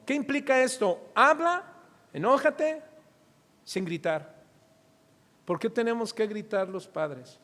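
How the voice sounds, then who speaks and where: In a reverberant church hall, a middle-aged Mexican pastor preaches with a very high, expressive, fairly bright voice and a Mexican Spanish accent. He speaks slowly with frequent pauses, posing rhetorical questions to the congregation and acting out small family-life scenes.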